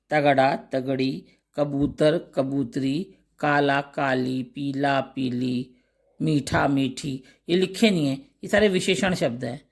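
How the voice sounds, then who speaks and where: A male teacher works through a grammar lesson, reading out word pairs one at a time. He speaks very slowly and deliberately, pausing after each word. His voice sits at an ordinary mid pitch. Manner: slow, deliberate recitation of word lists with brief explanations.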